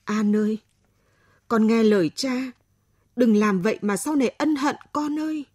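A woman reading a story aloud, voicing a gentle aging father who talks slowly and tenderly. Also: very high voice, no room sound, clean studio sound. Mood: gentle pleading.

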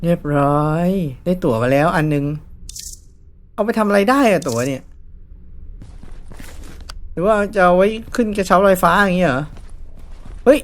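Speaking in a high, animated voice at an ordinary pace, a gaming YouTuber offers chatty horror game commentary. He nervously coaches himself through the scary sections, sometimes leaving long pauses.

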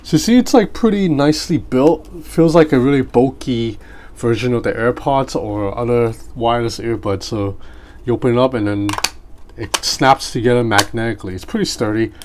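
A man whose first language is Cantonese, reviewing a gadget in a relaxed, chatty way from a tabletop indoors, talking into a separate mic as he demonstrates. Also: mid-range voice, normal speed, a little hiss or hum. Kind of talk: casual product review. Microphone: separate mic near the desk.

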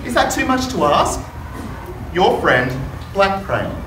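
A man's voice: high-pitched, big pitch swings, slow pace, full character voice. A man voicing a resentful, underappreciated black crayon in a storybook read-aloud, sounding aggrieved. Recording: distant, roomy classroom with noise.

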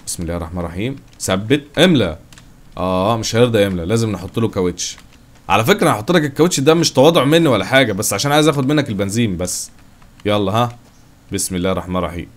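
A man with an Egyptian accent giving let's-play commentary, joking and excitable, talking to his viewers and to the game's characters. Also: on the low side, racing. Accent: Egyptian Arabic. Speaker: gaming channel host.

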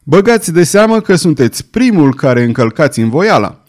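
A man's voice: fairly high pitch, big pitch swings, a little mellow, pitched above the performer's own voice. A man voicing a dignified, wry old male swordsman who speaks with courteous irony. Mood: ironic. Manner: courteous and ironic.

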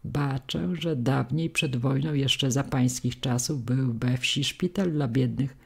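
A woman's voice: rumbling low, slow, creaky, darkish tone, slightly rough, exaggerated voice. Woman doing a spiteful old village gossip. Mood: scolding. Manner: scolding, spiteful, folksy peasant speech.

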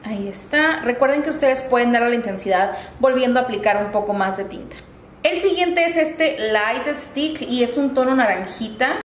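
Young woman chatting through a makeup review, high voice, echoey room w/ faint hiss. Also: lively intonation, moderate pace. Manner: chatty, upbeat and friendly. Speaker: beauty vlogger. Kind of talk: casual product review.

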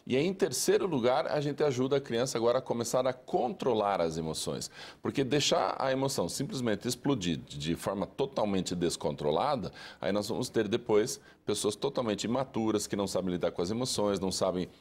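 A man, an educator answering interview questions in a measured, lecturing way. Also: on the low side, expressive, a little mellow. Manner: measured, lecturing, lists steps.

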